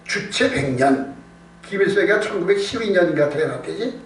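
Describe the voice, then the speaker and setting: 남자 목사가 같은 말을 거듭하고 스스로 묻고 답하며, 힘주어 강조하는 대화체로 설교한다. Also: male voice, sits high, lively intonation, normal speed. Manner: emphatic, repeats phrases, rhetorical questions. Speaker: pastor preaching. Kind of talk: Korean evening-service sermon, conversational. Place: indoor church service. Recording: echoey church room, distant mic, noise, hum.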